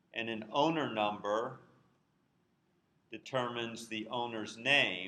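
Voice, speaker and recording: Room echo is audible as a man speaks at a very slow pace, with long, frequent pauses. His medium-pitched voice has a bright, sharp tone and fairly even intonation. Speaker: university lecturer. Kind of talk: lecture.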